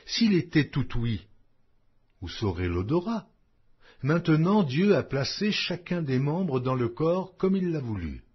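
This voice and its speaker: A man reading scripture aloud as a scripted audiobook, solemn and measured, with declamatory phrasing. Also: fairly high pitch, big pitch swings, breathy edge. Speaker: audiobook Bible reader. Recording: dull lo-fi audio.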